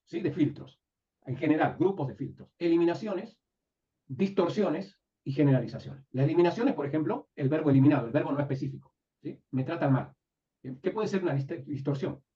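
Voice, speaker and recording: A man's voice: fairly high pitch, warm tone. Man lecturing a class from afar. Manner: asks the class frequent checking questions. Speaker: NLP teacher. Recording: distant, dull lo-fi room recording.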